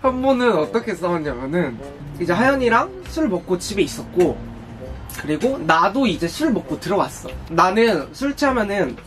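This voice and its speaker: A young man chatting casually and telling anecdotes in an animated way, acting out quotes as he goes. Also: high-pitched, normal speed. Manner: animated storytelling with acted-out quotes. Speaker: vlogger. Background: music.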